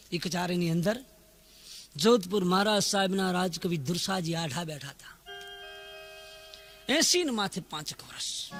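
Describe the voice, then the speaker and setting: A man tells a folk tale in dayro style, swinging from hushed asides to ringing declaimed lists and chanted couplets. His voice sits very high and piercingly bright, with faint music underneath. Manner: dramatic, declaiming, chanting verses. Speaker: folk storyteller.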